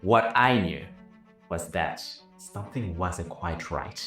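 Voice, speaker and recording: Deep-voiced man telling his story. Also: lively intonation, slow. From Zimbabwe. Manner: reflective, earnest storytelling. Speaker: business and leadership coach. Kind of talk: personal story told over music. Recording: roomy, somewhat distant mic with soft music. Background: soft violin music.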